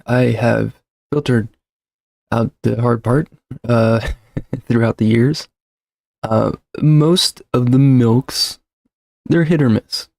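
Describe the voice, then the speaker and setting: A man in his thirties hosts a casual home livestream, talking into a desk mic in a rambling, self-deprecating way with plenty of fillers. His voice is heavily gravelly, full of fry, and the sound is dry and close, with middling pitch. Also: darkish tone, no room sound. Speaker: livestream host. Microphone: desk mic with shock mount.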